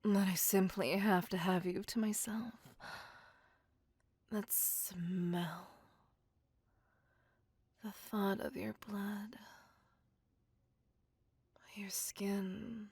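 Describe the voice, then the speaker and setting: A genteel, possessive ancient vampire woman, voiced by a woman, whispers slowly and intimately right against a close ASMR mic. Her hushed voice is gravelly and breathy. She speaks in formal, old-fashioned phrases and pleads softly. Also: medium pitch, fairly even intonation, dry recording, full character voice. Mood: hungry. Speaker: voice actor. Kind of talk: ASMR roleplay. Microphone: close ASMR microphone.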